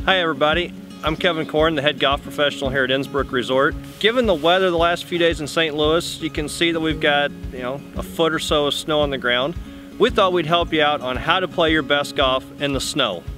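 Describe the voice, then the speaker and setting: A man at a fairly quick pace with ordinary pitch variation, dry sound with no echo, and clear music in the background. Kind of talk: humorous tutorial. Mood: playful, tongue-in-cheek. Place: open country.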